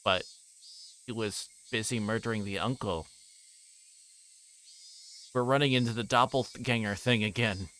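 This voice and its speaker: A low-pitched man reads a visual novel aloud for a livestream. He moves between reciting text and rambling casual commentary, thinking out loud. There is noise behind him, with chirping insect ambience. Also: unhurried, pauses often.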